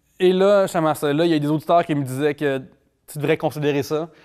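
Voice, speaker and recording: The recording is very clean, with a silent background. A man speaks with a fairly high pitch. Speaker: comedian. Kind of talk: interview. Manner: halting.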